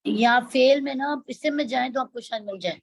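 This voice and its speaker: A woman student speaking up during an online class on a video call. Her voice sits fairly high and sounds close and dry. She talks earnestly and respectfully to her teacher. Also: creaky, dry recording. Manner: earnest, quick, respectfully addresses the teacher as older sister. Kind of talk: class discussion.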